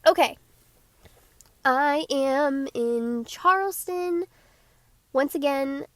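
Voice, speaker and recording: A woman's voice: sits high, dry recording. A teenage girl from Georgia hosting her own podcast, chatting in an eager, bubbly way with a stuffy nose. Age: teens. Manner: bubbly, eager, talks quickly. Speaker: podcast host. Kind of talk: casual solo podcast chat.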